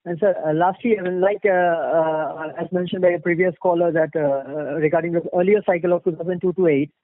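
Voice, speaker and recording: A dry, narrow phone line carries a clearly high-pitched man. He is an investor putting questions on a call, hesitant and wordy as he builds each question. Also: fairly even intonation, brisk, no echo. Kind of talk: spontaneous earnings call questioning.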